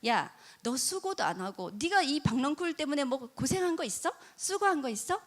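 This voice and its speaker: Brief: a woman voicing a fatherly God figure, coaxing, gently scolding, lively pitch. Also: moderate pace.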